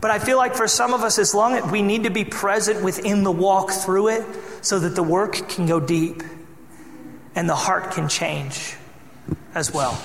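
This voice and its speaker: With noticeable background noise and audible room echo, a man speaks at a moderate pace in a high pitch, using ordinary pitch variation and long, frequent pauses. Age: 30s. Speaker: pastor. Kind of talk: sermon.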